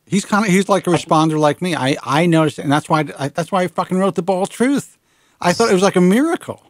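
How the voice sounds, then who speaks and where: Late-40s guy hosting a chat show, lively, swears a bit, dry close sound. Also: sits high, quick pace, dry recording. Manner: animated, swearing, lots of restarts. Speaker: show host. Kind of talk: casual radio show chat.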